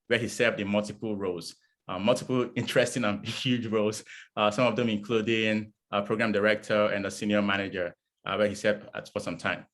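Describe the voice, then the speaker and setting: A man hosts an interview in a casual way. He rambles through his questions and piles on "you know" and "um" fillers. His voice sits fairly low in pitch. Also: a bit bright. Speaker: interview host.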